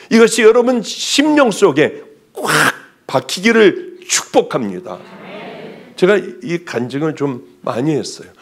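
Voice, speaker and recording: A male pastor preaching a sermon, telling a personal testimony with animated storytelling and acted-out dialogue. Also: on the high side, slightly rough.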